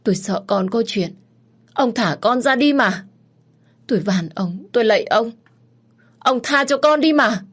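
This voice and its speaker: A woman voicing a desperate middle-aged mother who pleads and cries out, her voice climbing high and loud. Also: expressive, unhurried, pauses often, breathy edge. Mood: pleading.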